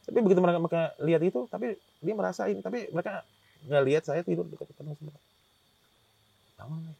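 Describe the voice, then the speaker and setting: A man's voice: high-pitched, very fast, creaky, dark tone, breathy edge, no room sound. A man telling a guest story in a rambling way, with many restarts and acted-out quotes. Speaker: hiker telling his experience as a guest. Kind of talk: casual storytelling interview.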